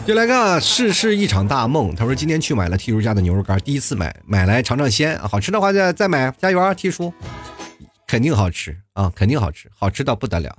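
Riffing on messages from listeners, a male talk show host speaks quickly and conversationally, with big swings in pitch, tag questions, and little laughs sprinkled throughout. Soft music plays in the background.

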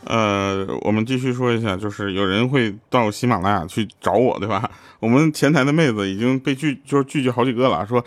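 A man hosting a casual comic show, telling funny workplace stories and jumping into high voices when he quotes people. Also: fairly quick, few pauses, no room sound, faint music behind.

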